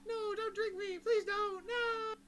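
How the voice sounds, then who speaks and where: A tiny magic blue orb squeals and sobs in a high, strained voice. It pleads desperately, in a wailing tabletop-game voice, with a hiss of line noise behind. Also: female voice, fairly even intonation, slow pace. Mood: sobbing, pleading. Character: sobbing, panicked little magic blue orb.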